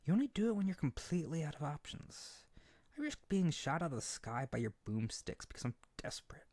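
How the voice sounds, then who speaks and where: A man's voice: a little high, a little fast, no room sound. A man playing a hyper, naive and desperate harpy boy in an ASMR character roleplay, earnest and pleading. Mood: dejected, desperate. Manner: pleading, excitable, stammering, earnest.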